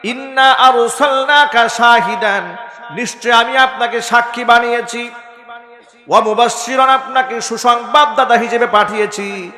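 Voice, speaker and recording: A man preaching a sermon, firing rhetorical questions at the crowd and breaking into shouts. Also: very high-pitched, measured pace. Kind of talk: Islamic sermon. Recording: echoey hall with long reverb.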